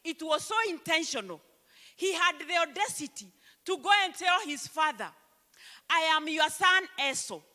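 A Kenyan woman pastor preaching a sermon into a handheld mic on a church stage, emphatic and slowing down to read scripture aloud. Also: very high-pitched, animated, sharp tone. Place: church stage, large hall. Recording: long church hall reverb.

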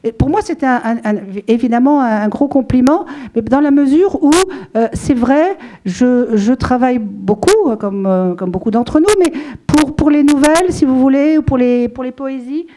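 A woman's voice: sits high, moderate pace, mellow, a little hiss or hum. A middle-aged French woman talking about her writing at a book event, holding a handheld mic and speaking in a rambling way with many fillers and restarts. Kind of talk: casual spoken talk to an audience. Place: small room with a seated audience.

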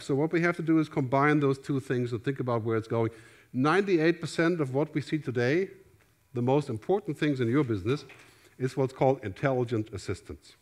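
A middle-aged man with a German accent giving a conference keynote on a large theater stage. He speaks through a headset mic in a conversational way and often adds "right?". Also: mid-range voice. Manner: conversational, gestures widely, asks "right?" often.

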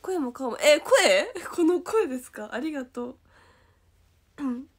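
A young woman with a Kansai accent chatting casually on a livestream, reading comments aloud, giggling often and sometimes dropping to a soft whisper. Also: high-pitched, big pitch swings, measured pace. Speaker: idol livestream host.

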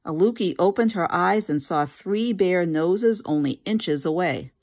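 A woman with a low voice reads a children's picture book aloud for her students. Her narration is expressive and steady, made for young listeners at home. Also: unhurried. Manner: expressive reading. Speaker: teacher reading aloud. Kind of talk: storybook read-aloud.

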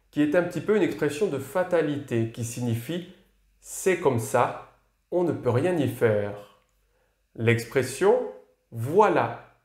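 Male french teacher, slow careful explaining, echoey room, mid-pitched voice. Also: darkish tone. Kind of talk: video lesson.

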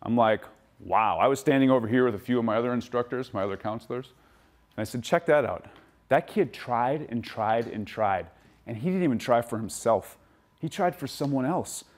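A man's voice: medium pitch, a little fast. A man giving an upbeat motivational talk to kids at a safety camp, telling stories and acting out children's voices. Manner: animated storytelling, acts out kids' voices. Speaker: camp speaker. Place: outdoor camp event.

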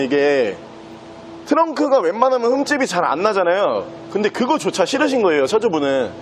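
A man giving a chatty used car salesman's pitch, casually presenting a car and pointing out details as he goes. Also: a little mellow, a little hiss or hum.

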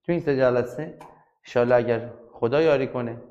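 A soft-spoken man teaching physics in an online class, chatting directly to his students. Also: medium pitch, lo-fi sound.

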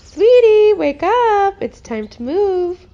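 A woman's voice: very high-pitched, big pitch swings, slow pace, dark tone, exaggerated voice. A woman voicing a caring, playful mother pony in an amateur cartoon, motherly and encouraging, on a lo-fi recording. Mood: cheerful.

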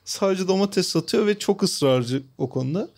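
Podcast ortak sunucusu, ince sesli bir erkek; gündelik sohbette komik anılarını anlatıyor, sık sık gülüyor. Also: male voice, high-pitched, lively intonation, moderate pace, a little mellow. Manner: storytelling, laughs often. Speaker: podcast co-host. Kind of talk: casual chat, funny anecdote.

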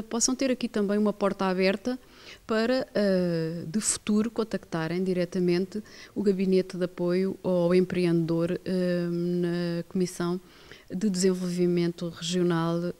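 Middle-aged woman, European Portuguese accent, lowish pitch, dark soft tone, hesitant formal interview delivery. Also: level tone, measured pace. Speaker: mayor being interviewed. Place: indoors, plain-walled room. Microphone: handheld reporter microphone.

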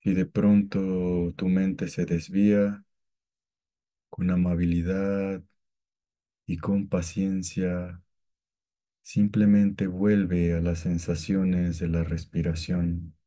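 A man guiding a meditation with calm, gentle, scripted instructions and long pauses between phrases. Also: deep voice. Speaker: meditation guide.

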